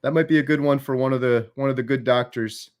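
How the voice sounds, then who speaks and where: A man hosting a livestream, telling stories in an animated, fast-moving way. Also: mid-range voice. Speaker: host. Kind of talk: casual livestream chat.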